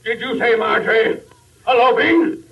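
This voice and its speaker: An actor playing a hot-tempered, forceful father blustering irately in an old radio comedy. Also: very high voice, normal speed, gravelly, highs cut off. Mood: outraged shouting. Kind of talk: 1940s radio comedy acting. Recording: distant old radio voice, faint noise.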